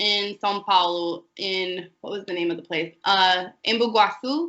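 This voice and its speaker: Talking at a fairly slow pace, a woman speaks in an American accent. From US Northeast, Connecticut. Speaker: language teacher. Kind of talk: interview.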